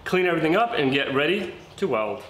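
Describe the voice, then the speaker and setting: This man in his thirties, host of a car rebuild vlog, talks casually and colloquially to viewers from inside his garage workshop. His voice is a little high, sing-song, brisk, and fairly bright, and the recording has a roomy echo with faint background noise.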